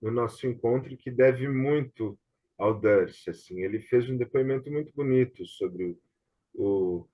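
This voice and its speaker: A Brazilian man hosting a casual panel conversation, speaking haltingly and repeating small words. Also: mid-range voice, phone-quality sound. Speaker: host of the series.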